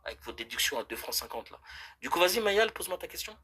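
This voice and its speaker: Male streamer, very husky and bright, rapid argumentative delivery, frequent restarts. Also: on the high side. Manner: animated, argumentative, many restarts. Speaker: live streamer. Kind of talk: heated casual rant to live chat.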